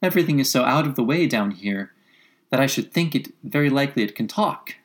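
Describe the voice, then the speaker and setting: A woman's voice: rumbling low, lively intonation, a little fast. A woman voicing a polite, chatty, curious young girl from a storybook, with an eager, earnest, apologetic manner. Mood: wondering.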